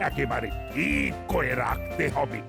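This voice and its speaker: Gravelly, bossy cartoon police boss. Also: male voice, mid-range voice, fairly even intonation. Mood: exasperated. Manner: theatrical, drawn-out, scolding. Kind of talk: cartoon voice acting. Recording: music behind the voice.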